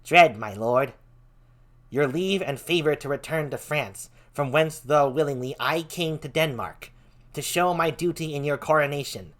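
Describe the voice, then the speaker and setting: A man's voice: fairly high pitch, moderate pace, a bit bright, close to an everyday voice. A man voicing a dutiful young courtier in a formal, deferential theatrical reading of Shakespeare. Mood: respectful, earnest.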